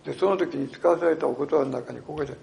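A male pastor delivering a sermon in a storytelling manner, swinging from hushed tones to loud emphasis. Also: a little high, fast, vocal fry.

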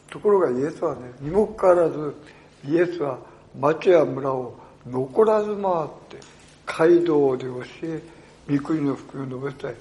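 A male pastor preaching a sermon in a storytelling way, dropping to near-hushed asides and then rising to loud emphasis. His voice sits a little high and has a gravelly, fried edge. A faint hiss of noise lies under the recording.

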